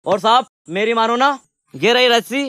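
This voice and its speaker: A man's voice: extremely high pitch, lively intonation, moderate pace, background noise. A man voicing a brash, scheming rustic troublemaker in a comic fan dub, talking in a cheeky, wheedling way. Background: music.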